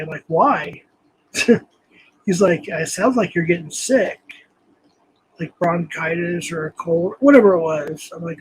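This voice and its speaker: Hoarse man losing his voice. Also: high-pitched, rough recording. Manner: rambling, reads chat aloud, frequent ums. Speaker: livestream host. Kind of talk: casual livestream chat.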